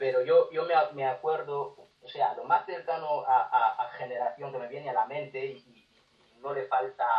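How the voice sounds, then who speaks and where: Moving at a moderate speed, a man's voice shows big swings in loudness. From Equatorial Guinea, Malabo. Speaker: writer. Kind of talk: interview. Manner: halting, repeats words.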